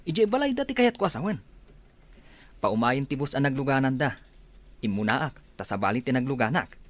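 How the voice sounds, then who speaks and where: A man playing lively young Alex. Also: medium pitch, moderate pace, dry recording, close to an everyday voice. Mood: explaining. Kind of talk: radio drama acting.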